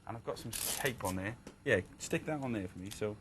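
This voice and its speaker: A man's voice: fairly low pitch, lively intonation, brisk, fairly bright tone, slight background noise. A young man presenting on children's TV, cheerfully explaining a craft step by step. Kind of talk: crafting demonstration.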